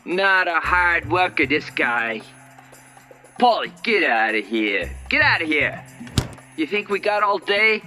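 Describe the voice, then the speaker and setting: A man voicing an unstable, angry truck driver boss in a story, with gruff, bullying, clipped street-tough talk. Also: fairly high pitch, big pitch swings, slow pace, bright, forceful tone, heavily acted. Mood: angry, contemptuous. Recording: music behind the voice.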